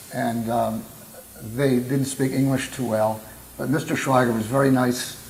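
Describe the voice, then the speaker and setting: Amid audible room echo and noticeable background noise, a man with an American accent speaks at a moderate pace and medium pitch in a flat monotone. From Philadelphia, US. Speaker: natural food store founder. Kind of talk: talk to an audience. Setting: talk at a spiritual center.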